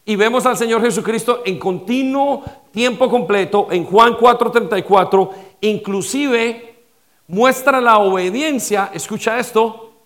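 A male pastor preaching a sermon with rhetorical questions and repetition, swinging between loud stress and quiet dropped lines. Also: sits high, unhurried.

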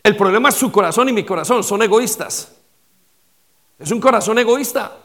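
A male pastor preaching a sermon with rhetorical questions and repetition, swinging between loud stress and quiet dropped lines. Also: sits high, moderate pace.

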